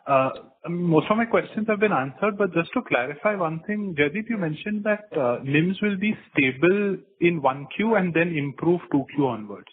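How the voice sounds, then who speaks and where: A man, an analyst asking direct, brisk questions on an earnings call. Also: on the high side, expressive. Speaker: analyst caller. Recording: telephone line with faint noise.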